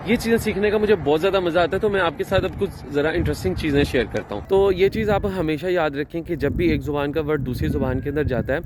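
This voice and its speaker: A man explains things in a relaxed travel vlog, pausing on fillers and starting over mid-sentence. He is recorded outdoors in a town, with faint street noise and passing traffic behind him. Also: fairly high pitch. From Pakistan. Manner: chatty, explaining with many fillers and restarts. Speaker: travel vlogger.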